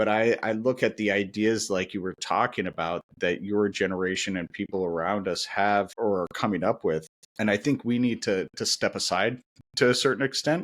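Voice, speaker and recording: A man speaks at a moderate pace in a plain, everyday voice, fairly low-pitched with ordinary pitch variation, on a very clean recording with a silent background. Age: 40s. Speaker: podcast host. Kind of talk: casual chat.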